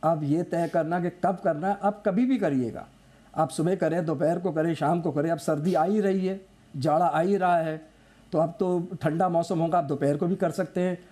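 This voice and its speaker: A male doctor, a guest on a television health panel, speaks in a slightly high, mellow voice. He gives firm advice and hammers his points home with short repeated lists. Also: steady tone, normal speed.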